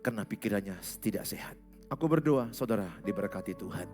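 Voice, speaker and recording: A man preaching a sermon, jumping between loud, high exclamations and soft, low asides in short punchy phrases. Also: animated, quick pace. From Indonesia. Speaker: pastor. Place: large church hall. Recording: reverberant church hall with faint music.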